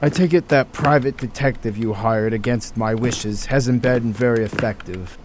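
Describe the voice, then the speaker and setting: A man's voice: mid-range voice, moderate pace, natural voice. Guy playing weary doctor in audio drama, dry questioning delivery, slight background noise. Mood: skeptical.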